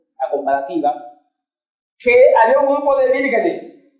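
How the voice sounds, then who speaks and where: Audible room echo surrounds a man whose extremely high pitch moves in very wide swings. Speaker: pastor teaching a Bible class. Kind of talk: lecture.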